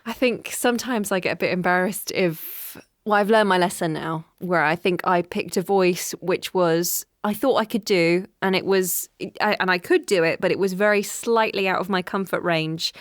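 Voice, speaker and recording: Animated woman voice actor talking shop. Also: fairly low pitch, moderate pace, few pauses, no room sound, clean studio sound. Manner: animated and candid, laughs often, slips into voices. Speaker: voice actor, podcast guest. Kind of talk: conversational interview.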